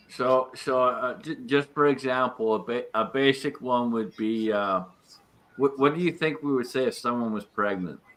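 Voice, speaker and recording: A man speaks at a medium pitch in a Scottish accent. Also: ordinary pitch variation, moderate pace. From Scotland. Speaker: podcast panelist. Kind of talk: casual chat.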